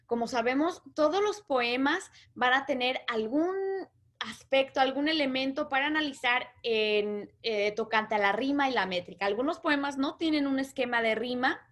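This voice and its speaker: A woman teaching a literature lesson, patiently explaining terms and slowly counting out syllables. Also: high voice, fairly bright tone.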